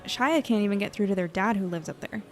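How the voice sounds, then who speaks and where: A woman's voice: medium pitch, fast talker, darkish tone, soft background music, natural voice. An actress playing a caring, curious young woman chatting with friends in an audio drama, casual and a little hesitant. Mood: concerned, curious. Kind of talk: acted dialogue in an audio drama podcast.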